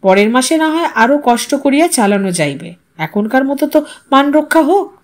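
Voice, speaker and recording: A woman narrates a literary short story. Her voice is high, with wide, animated swings in pitch. The reading is expressive and scripted. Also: normal speed.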